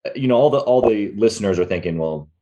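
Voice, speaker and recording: A man with a moderately low voice hosts a casual interview. His delivery is informal and conversational, full of slang, as he leads up to each question. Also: racing, dark tone, muffled recording. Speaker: podcast host, interviewer.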